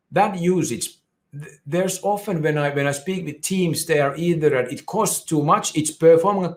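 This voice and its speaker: A man from Finland with a Finnish accent, giving a technical conference presentation in an explanatory way with frequent restarts. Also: fairly high pitch. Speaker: conference speaker.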